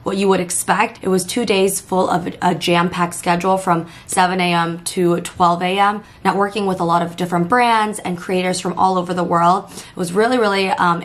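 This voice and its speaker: A young woman chatting casually to camera in a vlog, her voice hoarse and worn after days of nonstop talking, upbeat, with lots of "like" fillers. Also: lowish voice. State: hoarse, voice partly lost. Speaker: lifestyle vlogger. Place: hotel room and home bedroom, indoors. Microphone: camera facing her at arm's length.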